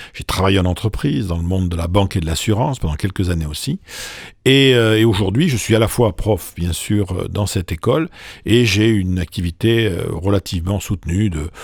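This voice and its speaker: Here a man talks at a fairly quick pace in a fairly low pitch. His voice is somewhat breathy. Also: ordinary pitch variation. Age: 60s. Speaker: professor. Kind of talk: podcast interview.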